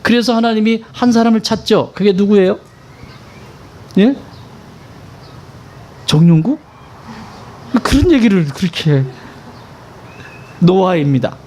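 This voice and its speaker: A man's voice: high-pitched, animated, takes it slowly, long pauses, a little mellow, slight background noise. A male pastor preaching a sermon in a conversational way, asking his congregation questions and stressing points emphatically.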